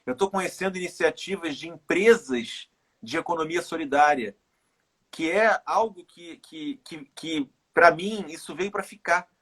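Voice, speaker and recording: A middle-aged man from Rio de Janeiro, Brazil, speaks Carioca Brazilian Portuguese in a husky, slightly high and bright voice. He's a runner and author appearing as a guest in a casual live interview chat. Thoughtful and halting, he circles back on his words and repeats them while thinking.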